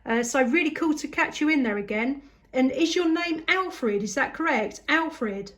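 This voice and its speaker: An amateur radio operator from southeast England, this woman has a southern English accent and chats casually and appreciatively during a radio contact. Her voice is high-pitched and expressive, her speed normal, with a slight hiss or hum in the audio.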